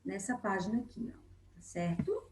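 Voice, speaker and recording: A woman's voice: mid-range voice, big pitch swings, normal speed, darkish tone. Brazilian woman, primary school teacher, patient and encouraging, talks to kids on video, room echo. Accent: Brazilian Portuguese. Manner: patient and encouraging, checking in with frequent "tá?". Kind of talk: recorded remote lesson for young children.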